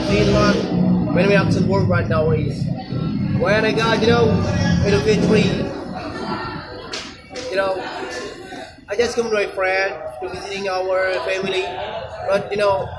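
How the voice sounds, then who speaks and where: A man from Indonesia with an Indonesian accent gives a rambling casual monologue in English, halting and repeating himself, often tagging phrases with "you know". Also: high voice, poor audio. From Indonesia, Aceh. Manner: halting, repetitive, frequent "you know" tags. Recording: loud music behind the voice.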